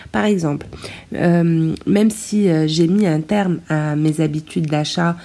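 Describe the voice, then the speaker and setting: A woman hosting an informal solo podcast, speaking hesitantly with drawn-out pauses, recorded in low quality on a tablet's built-in microphone like a poor stream. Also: steady tone, creaky, mellow. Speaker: podcast host. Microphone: tablet's built-in microphone, no proper mic.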